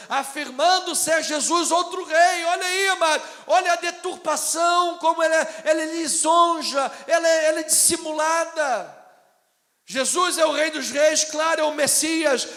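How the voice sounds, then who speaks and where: A man from Rio de Janeiro with a Carioca accent preaches from the pulpit in a remarkably high voice. He swings between booming proclamations and soft, chatty asides. His words ring out with the long reverb of a church sanctuary. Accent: Carioca Brazilian Portuguese. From Brazil (Rio de Janeiro). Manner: swings from loud proclamations to quiet conversational asides. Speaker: pastor. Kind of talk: sermon.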